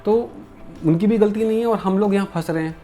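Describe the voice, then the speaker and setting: A man's voice: high-pitched, a little fast, mellow, soft background music. A man being interviewed as a comics publisher and letterer, speaking candidly and reflectively and mixing English phrases into his speech. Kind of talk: casual interview conversation.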